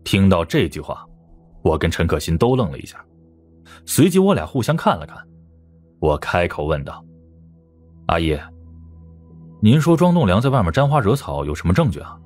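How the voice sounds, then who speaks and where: A man's voice: low-pitched, huge pitch swings, moderate pace, pauses often, a little mellow, soft background music. A man narrating a crime audiobook in a scripted, dramatic storytelling style.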